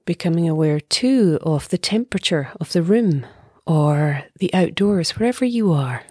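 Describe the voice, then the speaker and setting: A middle-aged woman leading a guided meditation as a teacher, speaking softly and breathily in a calm, gentle way with long pauses. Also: lowish voice, dry recording, studio quality. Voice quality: soft, breathy.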